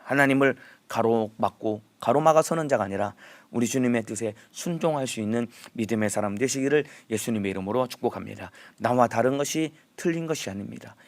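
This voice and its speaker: A male pastor from the Gyeongsang region, with a Gyeongsang Korean accent, gives an emphatic early morning sermon and leads the congregation in repeating phrases. His voice is mid-range, and the recording has no echo.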